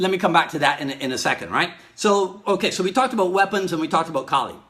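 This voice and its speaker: A high-pitched male voice with ordinary pitch variation, over noticeable background noise. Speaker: martial arts instructor. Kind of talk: solo broadcast talk. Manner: hesitant, many fillers.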